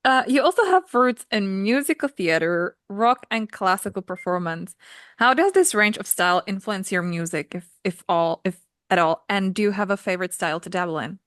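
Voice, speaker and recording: A woman hosts a casual podcast interview in a mid-range voice. Her recording is dry, with little room sound. She chimes in with short affirmations and asks relaxed questions. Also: mid-range voice, normal speed, no echo. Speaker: podcast host.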